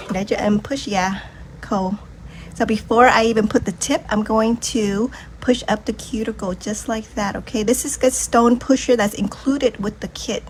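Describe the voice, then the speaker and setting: Speaking with fairly even intonation, a woman is heard over noticeable background noise. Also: fairly high pitch for a woman, moderate pace. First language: Vietnamese. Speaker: nail technician and product demonstrator. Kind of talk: product tutorial and sales pitch.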